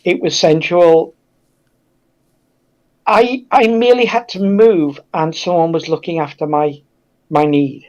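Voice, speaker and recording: A man speaking in a halting, reflective way as a guest in a casual discussion. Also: fairly high pitch, a little mellow, highs cut off.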